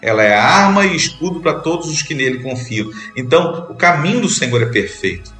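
A man from Brazil preaching a sermon as a bishop, earnest, repeating phrases for emphasis and pausing between them. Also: on the high side, big pitch swings, bright, forceful tone, roomy sound, faint music behind.

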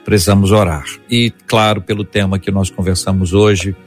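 A man's voice: low voice, flat delivery, normal speed, soft background music. A man hosting a radio debate show, chatty and enthusiastic, repeating contact details for listeners. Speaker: radio host.

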